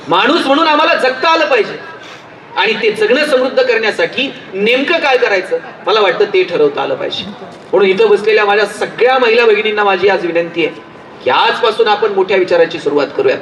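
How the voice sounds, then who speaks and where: A man's voice: high voice, fairly bright tone, a little hiss or hum. A man with a Marathi accent giving a public speech to a live audience, telling humorous anecdotes in an emphatic storytelling manner. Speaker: motivational speaker. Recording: roomy hall, distant mic, faint crowd.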